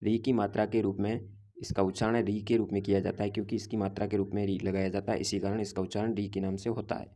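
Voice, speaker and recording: A man giving a grammar lesson in a low voice. He keeps to a flat, even tone and explains step by step, reciting the letters one at a time. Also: fast talker. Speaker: teacher.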